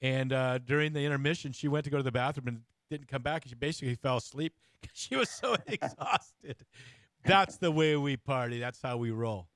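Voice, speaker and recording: A dry, close recording of a man with a medium-pitched voice. He hosts in a loose, jokey conversational style, bantering and often feeling his way through a sentence. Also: a bit bright, no room sound. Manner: informal, bantering, halting phrasing. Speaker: interview host. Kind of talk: casual, jokey chat.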